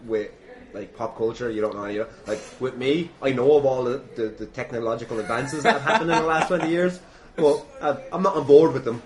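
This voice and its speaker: A man's voice: medium pitch, fairly quick, a crowd in the background. Jokey, rambling male podcast host. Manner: jokey, rambling, self-deprecating, often laughing through words. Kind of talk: casual comedic podcast interview chat.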